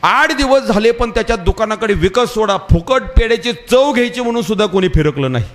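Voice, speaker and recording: A man with a notably high voice preaching a devotional kirtan before a live gathering. He moves through his parables in a chatty storytelling manner. He keeps turning to the audience and telling them to listen. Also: brisk. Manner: addresses the audience directly with repeated calls to listen; tells parables in a lively, conversational way.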